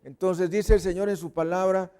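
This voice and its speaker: A man's voice: sits high, fairly even intonation, moderate pace, clear, resonant tone. A man with a Mexican accent preaching a sermon as a pastor, playfully acting out sounds and voices and dropping at times to a whisper. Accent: Mexican Spanish. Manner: playful, acts out sounds and voices with sudden loud and whispered bits. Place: church service.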